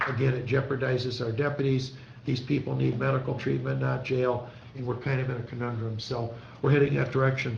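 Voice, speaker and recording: A man talks at a fairly quick pace in a monotone, flat way. Room echo is audible. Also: medium pitch for a man. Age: 60s. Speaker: county sheriff. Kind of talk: public meeting report. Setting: county board meeting.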